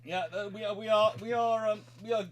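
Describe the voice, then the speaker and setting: A man hosting a casual livestream, chatting haltingly and often repeating his words. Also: high-pitched, level tone. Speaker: livestream host.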